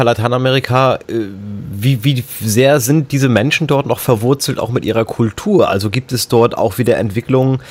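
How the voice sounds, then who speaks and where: A man interviewing a guest, asking long questions broken up by frequent fillers. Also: medium pitch.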